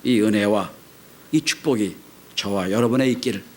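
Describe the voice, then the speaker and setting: A man preaching a Sunday sermon as pastor, swinging between loud cries and hushed, whispered lines. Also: fairly low pitch, normal speed, slight background noise.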